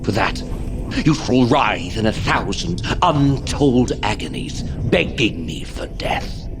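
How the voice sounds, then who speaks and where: An actor playing a cruel dark lord in a fantasy audio drama, haughty, menacing and theatrical. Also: male voice, mid-range voice, lively intonation, slow pace. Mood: cold menace. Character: sneering villainous dark lord of the hunt, cruel. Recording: dramatic music behind.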